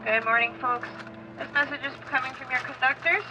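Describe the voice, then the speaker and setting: A woman's voice: sits high, steady tone, a little fast, lo-fi sound, music in the background. A woman conductor making friendly, joking announcements over the train intercom. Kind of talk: passenger announcements.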